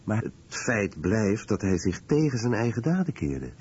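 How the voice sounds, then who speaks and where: A man reading a scripted documentary voice-over in a measured, serious way. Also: on the low side, big pitch swings, darkish tone, dull audio, slight background noise.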